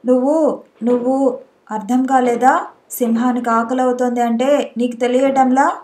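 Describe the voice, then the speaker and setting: Lady reading a hungry nightmare lion, taunting, mean, mellow tone. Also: high-pitched, steady tone, normal speed, roomy sound, lightly acted. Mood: menacing. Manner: taunting, threatening. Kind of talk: audiobook character voice.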